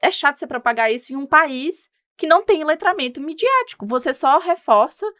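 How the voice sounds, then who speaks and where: Animated woman reporter with regional accent. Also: high voice, brisk, no echo, studio quality. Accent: Brazilian Portuguese, regional. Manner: animated, indignant, emphatic. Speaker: reporter, podcast guest. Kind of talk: casual interview talk.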